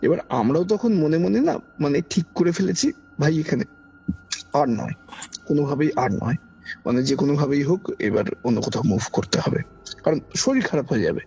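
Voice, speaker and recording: A man with a Kolkata Bengali accent and a husky, gravelly voice recounts an eerie personal experience in a conversational, dramatic way, repeating phrases for emphasis. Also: fairly high pitch, expressive, moderate pace, a little mellow. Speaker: podcast guest recounting a personal ghost experience. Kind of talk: conversational ghost-story telling. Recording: dull lo-fi audio under background music. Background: background music.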